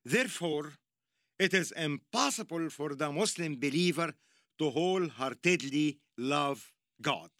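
A man's voice: fairly high pitch, expressive, measured pace, a bit bright, no room sound, clean studio sound. A man from Egypt with an Egyptian accent, preaching an earnest, emphatic sermon with some self-deprecating humor.

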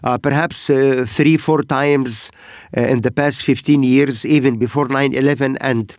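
Male host of a ministry program, middle-pitched voice, earnest and halting, dry close sound. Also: fairly even intonation, no echo. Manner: earnest, halting phrasing with frequent pauses. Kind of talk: broadcast ministry talk, sharing testimonies.

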